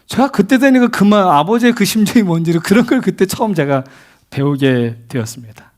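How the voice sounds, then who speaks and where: A middle-aged male pastor gives a sermon in a church. His voice sits fairly high and swoops up and down as he tells stories. He keeps asking the congregation questions. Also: animated, a little fast, a little mellow. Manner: storytelling preacher, asks the congregation questions. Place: church sanctuary.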